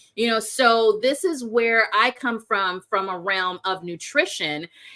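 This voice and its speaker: A woman with a Southern US accent speaks at a fairly high pitch with a bright, sharp tone and lively intonation. The recording is very clean, with a silent background. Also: fairly slow pace. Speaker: doctor. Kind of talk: interview.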